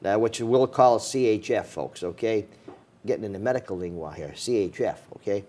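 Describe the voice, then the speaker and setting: A man's voice: on the low side, normal speed, warm tone. A man hosting a local TV talk show, who talks in a folksy, rambling way with many fillers and restarts.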